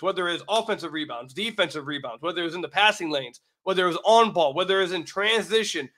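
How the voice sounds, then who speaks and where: Bright, high-pitched American man, voice worn by sickness. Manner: emphatic, repeats phrases for emphasis. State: sick, losing his voice, slightly raggedy. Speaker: sports podcast host. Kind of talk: solo basketball commentary with sponsor read.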